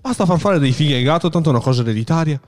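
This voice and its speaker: A man's voice: on the high side, animated, very fast, darkish tone. A man co-hosting a livestream, bantering casually in a blunt, joking way. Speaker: livestream co-host.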